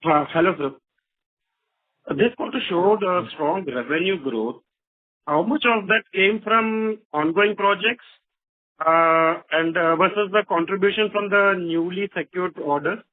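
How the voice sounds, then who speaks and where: A man's voice: high-pitched, a little slow. A man calling in with formal questions on a conference call. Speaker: caller asking questions. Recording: narrow, tinny phone line.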